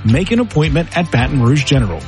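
A man reading a scripted radio ad in a wry, measured way. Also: a little high, sing-song, darkish tone, soft background music. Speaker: ad announcer.

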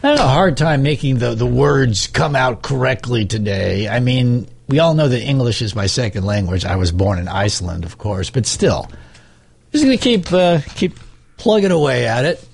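A male morning radio host talks into a studio microphone with easy, joking banter. His voice is a little husky and his pitch swings around a lot as he talks. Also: moderate pace. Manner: jokey, lively delivery.

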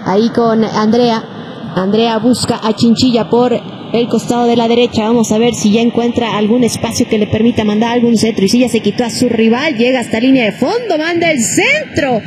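A woman's voice: on the high side, background noise. A woman doing live soccer commentary mixed with casual chat. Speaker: sports play-by-play commentator.

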